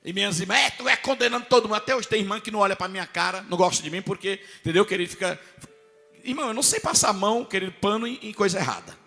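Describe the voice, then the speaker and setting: A man's voice: sits high, racing, sharp tone, big-room sound, faint music behind. A man preaching a testimony, telling his story emphatically and acting out the other people's voices. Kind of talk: testimony sermon.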